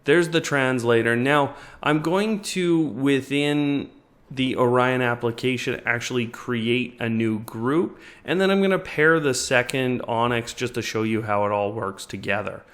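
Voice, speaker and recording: A tech reviewer hosting a tutorial walks through a product setup step by step in a casual manner. He speaks in a mid-range, slightly bright voice at a measured pace.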